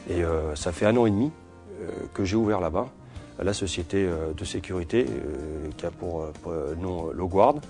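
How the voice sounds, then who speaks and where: Forties guy from portugal, real low voice, lots of uhs and restarts, faint music under it. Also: normal speed, mellow. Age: 40s. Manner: hesitant, many fillers and restarts. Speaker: security company owner. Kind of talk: interview answers.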